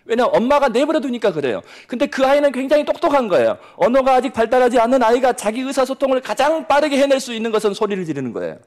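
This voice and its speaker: A man in his forties from Jeolla, preaching a sermon as pastor with lively storytelling that swings between loud and hushed. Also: very high voice, very fast, hardly any pauses. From Jeolla, South Korea.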